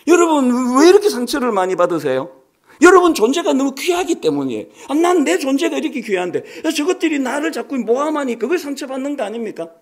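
A man in his sixties, a pastor, preaching a sermon in a conversational, animated way with many rhetorical questions. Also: extremely high pitch, quick pace. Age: 60s.

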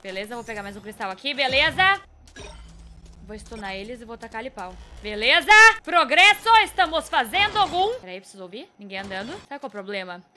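A young Brazilian woman playing a horror game, jumping between hushed muttering and dramatic shrieks as she talks to her viewers and to the game. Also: mid-range voice, animated, fast, soft background music. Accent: Brazilian Portuguese. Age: young adult. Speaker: gaming video host. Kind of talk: excited let's-play commentary.

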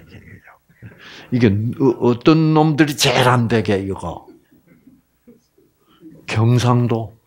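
A man's voice: medium pitch, slightly rough. A man from the Gyeongsang region with its accent, giving a humorous Bible lecture and playfully asking the audience for replies. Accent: Gyeongsang Korean. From Gyeongsang region, Korea. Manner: animated, self-mocking, playfully asks the audience for replies.

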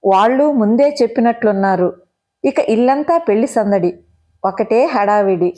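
A woman tells a first-person story aloud, measured and expressive, with her voice sitting a little on the high side. Her delivery is that of a practiced audio-story reader, carrying the listener through the scenes.

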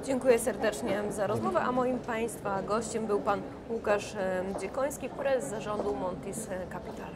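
A woman's voice: mid-range voice, normal speed, hardly any pauses. A young woman interviewing a guest at an event, asking formal questions with some hesitation. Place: conference hall in front of a sponsor wall. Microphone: lapel mic. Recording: conference crowd noise. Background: crowd chatter.

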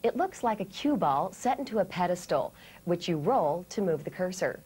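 Low-pitched American woman presenter. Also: big pitch swings, moderate pace, mellow, slightly rough. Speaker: training video presenter. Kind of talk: scripted instructional presentation. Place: indoor studio set.

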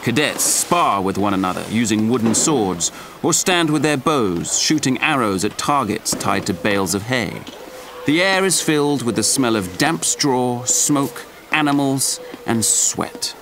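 An actor playing a reflective storyteller at a medieval French court, narrating an audio drama in a measured, wry, descriptive way. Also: male voice, mid-range voice, lively intonation, background noise. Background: music.

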